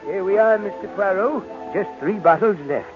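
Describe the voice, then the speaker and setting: An actor playing an eager, deferential head waiter in an old radio drama. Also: male voice, sits high, moderate pace, natural voice. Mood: eager to please. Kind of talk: 1940s American radio drama acting. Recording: muffled old radio recording. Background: music.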